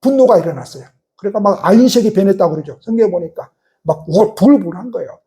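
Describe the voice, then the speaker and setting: Middle-aged pastor guy preaching, high voice but kinda mellow, lots of "right?" questions to the church. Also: animated, fast. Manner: conversational preaching with rhetorical questions and acted-out inner voices. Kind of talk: sermon.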